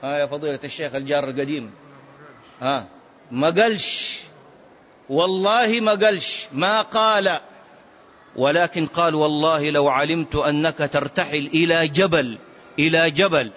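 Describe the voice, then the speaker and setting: A man leads a religious lesson in a mosque, his voice a touch high and emphatic. He chants some phrases and fires off rhetorical questions. The recording is dull and muffled. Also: moderate pace, fairly bright tone. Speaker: religious teacher. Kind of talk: mosque lesson explaining hadith.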